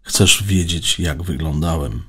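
A man's voice: rumbling low, slow pace, husky, pitched above the performer's own voice, exaggerated voice. Robik, a man doing a modest caretaker robot. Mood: gentle. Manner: polite, conscientious.

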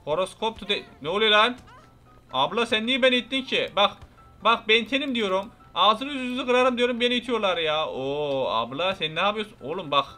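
A man's voice: high voice, expressive, fairly quick, bright, forceful tone. A young man giving casual, rowdy gameplay commentary, chatting to viewers and mock-threatening game characters. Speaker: gameplay YouTuber. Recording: faint music behind.

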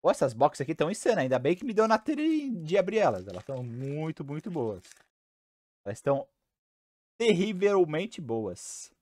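Opening cards on camera from a small indoor room at home, a young host from Brazil is losing his voice as he talks through his headset. He's chatty and excited, often repeating himself, at a normal speed and fairly high pitch, with no room sound at all.

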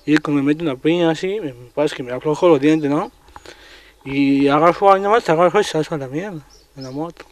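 A man with an Argentine accent recounting events in a casual interview at home, halting and full of restarts. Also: a little high. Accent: Argentine Spanish. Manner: halting, many restarts and repeated words. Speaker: traffic agent interviewed.

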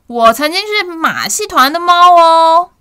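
A woman's voice: very high-pitched, animated, measured pace, bright, forceful tone, no room sound, clean studio sound, heavily acted. A woman voicing a proud, boastful male stray cat, showing off emphatically in a picture book read aloud to young children. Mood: showy bragging.

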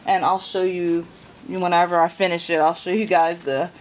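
A woman chatting casually to her viewers as she unwraps craft gifts, gushing with thanks and dropping to a soft whisper when something delights her. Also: lowish voice, flat delivery, normal speed, background noise. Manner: gushing, repeats thanks and exclamations. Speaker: craft vlogger opening gifts. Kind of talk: casual unboxing chat to camera. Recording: loud paper crinkling and rustling.

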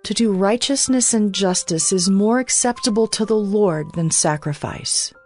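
A woman reading scripture aloud as a dramatized audio Bible narrator, with composed, deliberate delivery. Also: mid-range voice, darkish tone. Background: background music.

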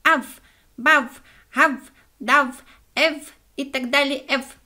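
A woman voicing a clever, stubborn little female dog in a storybook reading, high and insistent. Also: animated, unhurried. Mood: excited.

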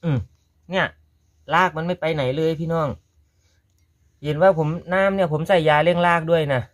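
A man's voice: a little high, fairly even intonation, normal speed. A man with a Korat Thai accent, talking viewers through a gardening task in a casual how-to vlog and addressing them as brothers and sisters. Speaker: gardening vlogger.

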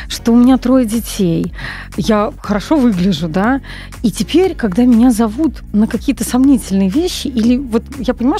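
A copywriter in her forties, appearing as a guest on a radio talk show, tells stories animatedly with frequent hesitations. Her voice sits on the high side, and she speaks into a large boom-arm studio mic while wearing headphones.

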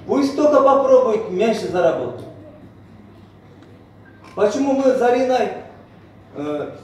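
Male motivational speaker, middle-aged, Central Asian accent, high animated voice, emphatic, recorded from afar in an echoey hall. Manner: emphatic, boastful, rhetorical questions. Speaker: network marketing speaker, senior manager. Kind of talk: motivational presentation, mixing two languages. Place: on stage in a large hotel banquet hall. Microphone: far camera in the audience area. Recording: echoey hotel hall, distant, noisy.

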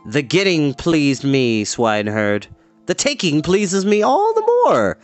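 A man voicing a brutal male warrior who speaks slowly and with open scorn, as in a read-aloud storybook. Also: on the high side, wildly swooping pitch, faint music behind, pitched above the performer's own voice, heavily acted. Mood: scornful. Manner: slow, mocking, scornful delivery.

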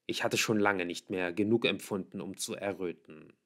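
A man's voice: sits low, normal speed, a bit bright. A man reading a novel aloud as scripted audiobook narration. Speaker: audiobook reader.

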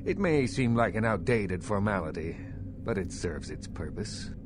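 An actor playing a middle-aged American vampire baron in a video game, formal and measured with a wary edge of menace. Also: male voice, lowish voice, expressive, noisy background. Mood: formal, veiled menace. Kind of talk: scripted game dialogue.

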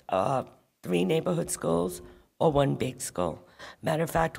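A woman's voice: sits low, gravelly, husky. A woman town council member speaking firmly at a public meeting, insisting on her points and repeating them. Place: large school auditorium. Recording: long hall reverb.

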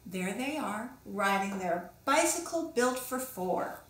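A middle-aged woman giving an expressive storybook read-aloud for children, talking deliberately and asking listeners questions. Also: medium pitch. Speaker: children's author reading aloud. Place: small indoor room full of dolls. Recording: roomy echo, distant microphone.

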